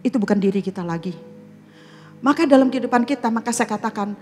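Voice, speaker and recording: A woman pastor giving an emotional sermon testimony, swinging between hushed and impassioned. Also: fairly high pitch, fast talker, big-room sound, faint music behind.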